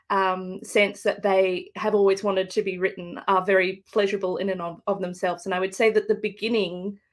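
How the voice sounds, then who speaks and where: An Australian woman, an author, speaking thoughtfully with fillers and restarts in a live book interview over a video call. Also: medium pitch. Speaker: guest author.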